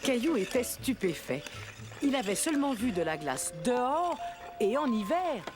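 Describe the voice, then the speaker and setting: A woman narrating a scripted children's story as an expressive storyteller. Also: a little high, moderate pace. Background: background music.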